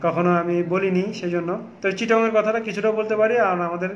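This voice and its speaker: Tired guy on a late live stream, high voice, pretty flat, echoey dull phone audio. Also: a little hiss or hum. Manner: reads out viewer comments with many "ah" pauses. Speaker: shop host on a live stream. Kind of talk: casual live-stream chat.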